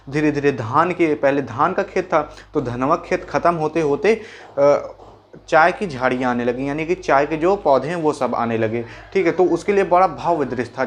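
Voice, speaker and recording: A man explaining a school chapter in a casual, folksy way, repeating key points as quick questions and answers. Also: a little high. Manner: folksy, calls listeners brother and mimics sounds. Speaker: teacher.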